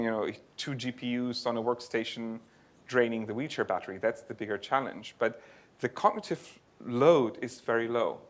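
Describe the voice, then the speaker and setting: A man presenting research at a conference and answering audience questions, explaining in a thinking-aloud way with frequent restarts. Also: mid-range voice. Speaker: conference speaker. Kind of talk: tech talk and audience Q&A. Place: lecture venue.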